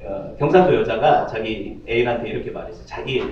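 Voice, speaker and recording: A man's voice: fairly high pitch, lively intonation, normal speed, slight background noise. A man preaching a sermon as pastor, joking and asking his congregation questions. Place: church sanctuary. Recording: distant, echoey, slightly dull church audio.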